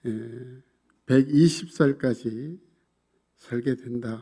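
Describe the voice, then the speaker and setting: Speaking at a very slow pace, a man with a dark, mellow tone holds a medium pitch with ordinary pitch variation. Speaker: retired pastor, missionary. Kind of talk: sermon. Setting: church, devotional service. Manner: casual, filler-heavy speech.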